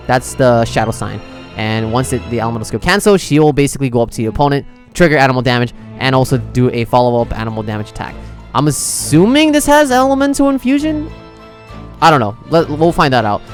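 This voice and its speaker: A man doing chatty, casual reaction commentary as a gaming content creator, sometimes reading game text aloud. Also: mid-range voice. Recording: music behind the voice. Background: music.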